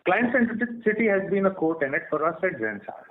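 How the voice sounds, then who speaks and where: Higher-voiced man on a tinny phone line. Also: big pitch swings, fairly quick, slight background noise. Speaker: company chief executive on earnings call. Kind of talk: scripted corporate earnings presentation.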